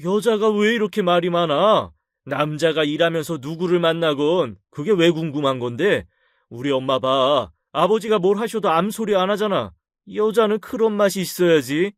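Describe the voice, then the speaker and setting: An actor playing an arrogant, hot-tempered husband who talks with contempt and a threatening edge in a radio drama. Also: male voice, fairly high pitch, moderate pace, no room sound, studio quality, close to an everyday voice. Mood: contemptuous.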